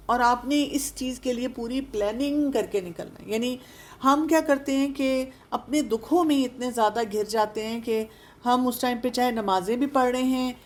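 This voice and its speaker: A woman counselor giving an earnest advice talk to older listeners, coaxing them with rhetorical questions and mixing English words into her speech. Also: on the high side. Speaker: counselor and speaker on aging.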